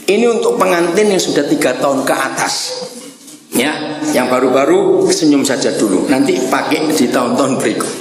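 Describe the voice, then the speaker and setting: A man preaching a humorous sermon, quizzing his congregation in an animated way. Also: medium pitch, moderate pace. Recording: echoey hall with long reverb.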